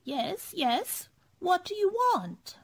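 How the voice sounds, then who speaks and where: An actress playing an eccentric little old aunt in a radio play, with a quavering voice, repeating herself abruptly. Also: female voice, very high voice, huge pitch swings, drawn-out words, exaggerated voice. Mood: suspicious, sharp.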